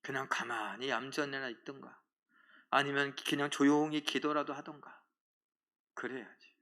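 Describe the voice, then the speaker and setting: Bright-voiced male pastor preaching. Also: medium pitch, flat delivery, normal speed. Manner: storytelling, asks the congregation questions. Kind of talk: sermon. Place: church.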